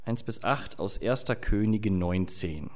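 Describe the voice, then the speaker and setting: This sermon mixes Bible reading with easygoing chat to the congregation, peppered with fillers and asides. The pastor's voice is on the low side and darkish in tone, animated yet measured in pace.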